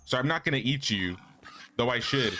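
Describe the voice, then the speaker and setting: A man's voice: medium pitch, lively intonation, normal speed, noisy background. A man casually chatting with viewers and answering their messages while he plays a game. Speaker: gaming streamer. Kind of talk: casual live-stream chat while playing.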